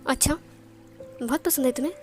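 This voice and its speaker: A woman voicing a shy, jealous young man who sulks and gets flustered, in her own high voice. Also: a little fast, soft background music, natural voice. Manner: sulky, flustered.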